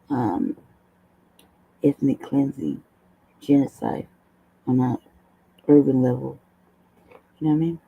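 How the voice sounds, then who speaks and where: A woman host with a low, hoarse voice, chatting casually at a desk mic, rambling, laughing often and swearing. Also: dull audio, slight background noise. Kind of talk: casual livestream talk.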